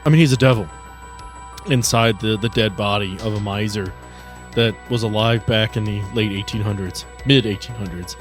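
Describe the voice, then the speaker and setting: A man's voice: fairly low pitch, moderate pace, faint music behind. A man working as game master, narrating and explaining lore phrase by phrase for a tabletop game.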